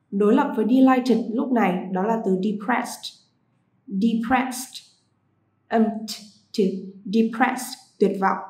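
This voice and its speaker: A woman teaching a vocabulary lesson to pupils, repeating each English word slowly before explaining it. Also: medium pitch, a little mellow, roomy sound, rough recording.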